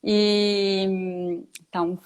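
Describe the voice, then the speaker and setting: A woman's voice: mid-range voice, flat delivery, extremely slow, a crowd in the background. A woman with a southern Brazilian accent chatting informally and cheerfully as an interview guest. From Santa Catarina, southern Brazil. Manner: informal, cheerful, often laughing. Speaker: interview guest, personal colour consultant. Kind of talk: casual conversational interview.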